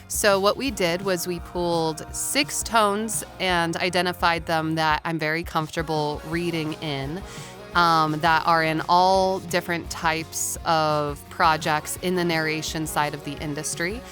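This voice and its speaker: Woman, lowish voice, informal vlog explainer, voice-over artist, faint background music. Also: fairly bright tone. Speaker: voice-over artist sharing industry tips.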